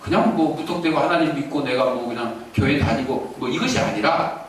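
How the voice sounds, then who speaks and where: A pastor preaching a sermon and telling a story with animation, recorded in a church sanctuary. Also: male voice, medium pitch, moderate pace. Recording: echoey church, distant mic, faint hiss.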